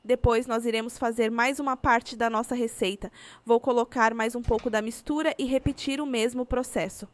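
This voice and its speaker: A woman's voice: on the high side, fairly even intonation, normal speed, dry recording. A woman with a Brazilian Portuguese accent, reading a scripted recipe voice-over as host.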